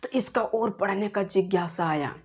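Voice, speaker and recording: A woman teacher retelling a story for a class in an animated, repetitive way. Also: medium pitch, moderate pace, husky. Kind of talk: storytelling lesson.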